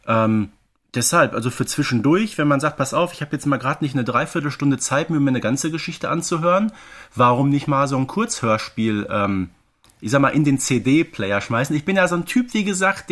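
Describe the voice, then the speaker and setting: A man's voice: fairly high pitch, fairly bright tone. Man explaining casually as podcast co-host. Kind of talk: casual fan podcast discussion.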